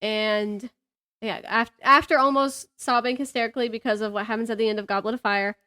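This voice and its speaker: A woman's voice: fairly high pitch, fairly even intonation, a little fast, pushed and bright. A woman in her thirties chatting casually about books as a podcast co-host, giggly and gushing. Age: 30s.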